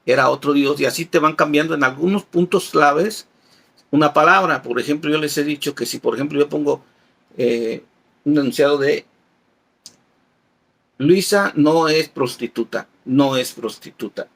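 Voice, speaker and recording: A man's voice: on the high side, moderate pace, vocal fry, fairly bright tone. A man teaching a Bible class as a catechist, reading passages aloud and explaining them patiently with everyday examples.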